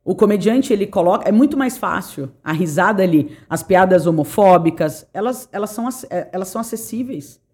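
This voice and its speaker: A woman who talks quickly in a voice of everyday pitch. She is a guest in a casual chat and states her opinions with firm emphasis. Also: lively intonation, darkish tone. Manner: emphatic and opinionated, drives her points home.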